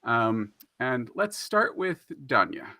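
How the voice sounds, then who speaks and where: A man's voice: mid-range voice, very animated, slow pace, sharp tone, no room sound, clean studio sound. A man moderating a panel discussion, introducing guests and choosing his words carefully with some hesitation.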